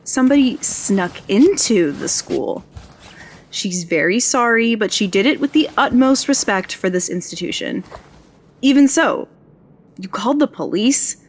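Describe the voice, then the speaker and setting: An actress playing a wry, brash young would-be journalist in an audio drama, glib and sarcastic, tending to ramble. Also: female voice, fairly high pitch, animated, unhurried, a little hiss or hum. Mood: sarcastic, indignant. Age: young adult. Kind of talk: naturalistic audio drama acting.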